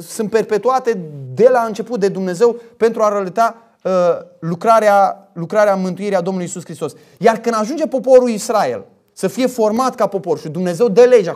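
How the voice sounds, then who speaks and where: A man preaching a sermon, emphatic and forceful, often checking in with his listeners through quick rhetorical questions. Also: sits high.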